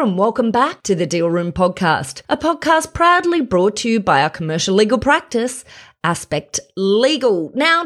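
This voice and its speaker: A middle-aged woman hosting a business interview podcast, upbeat and enthusiastic, quick to laugh. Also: mid-range voice. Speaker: podcast host, commercial lawyer.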